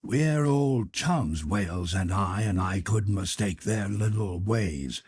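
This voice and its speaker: A blunt, excitable Canadian whaler from an adventure audiobook, as played by a male narrator. His voice is very husky and jumps around in pitch, exclamatory and eager for the hunt. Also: slow, no echo, heavily acted. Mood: confident.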